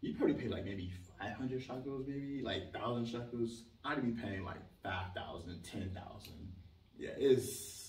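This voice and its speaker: A young man from Israel, talking casually as an interview guest, animated and emphatic, with lots of "like". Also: medium pitch, unhurried. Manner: animated, emphatic, leans on filler "like". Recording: roomy sound, mic at a distance.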